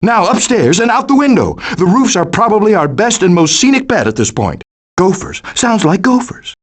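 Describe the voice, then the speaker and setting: A man's voice: sits high, sing-song, normal speed. A man voicing a melodramatic, doting father possum in a cartoon video game, with a pompous, theatrical, declamatory manner. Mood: urgent, excited. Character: melodramatic, hammy male possum, doting middle-aged father. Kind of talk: animated video game voice acting.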